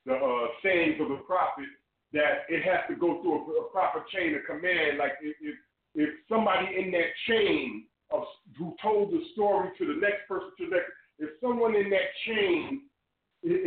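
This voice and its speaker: A man on a phone speakerphone as a call-in guest, talking about spiritual ideas in a halting way and often repeating words. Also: on the high side. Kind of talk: casual spiritual discussion. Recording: tinny, echoey speakerphone line.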